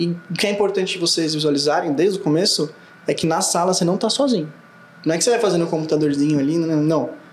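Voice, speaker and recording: Delivered at a very fast pace with ordinary pitch variation and very even loudness, the speech carries audible room echo and noticeable background noise. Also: man, high pitch for a man. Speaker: English test tutor. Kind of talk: casual interview.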